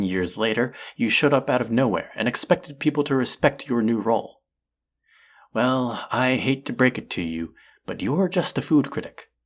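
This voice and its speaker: A man acts out a proud male chef locked in a feud, in an intimate audio drama. His mid-range voice moves dramatically up and down in pitch. He speaks with indignation and sarcasm, always condescending and ready to fight. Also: a bit bright. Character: proud, combative male restaurant chef feuding with a critic. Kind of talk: audio roleplay acting, one-sided dialogue.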